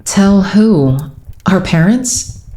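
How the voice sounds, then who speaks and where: A woman's voice: mid-range voice, lively intonation, drawn-out words, warm tone. An actress playing a wry grown woman vividly recounting a teenage adventure in an audio drama. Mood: defensive. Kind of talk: dramatic first-person narration in audio drama. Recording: music bed behind voice.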